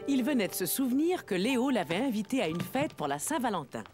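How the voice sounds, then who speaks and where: Animated woman narrating a children's story. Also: on the high side, fast talker. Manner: storytelling, clearly phrased. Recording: music behind.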